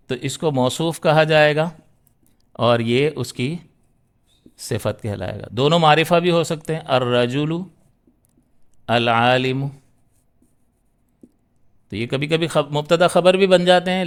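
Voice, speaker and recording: A man's voice: on the high side, smooth. A man teaching a grammar class, explaining step by step and answering his own questions. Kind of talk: grammar lesson.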